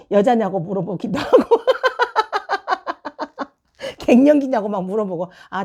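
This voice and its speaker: A woman in her forties, a tutor of a small study room, casually telling stories and acting out what parents said to her. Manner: animated, acts out quoted parents in higher voice, laughs often. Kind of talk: casual storytelling vlog.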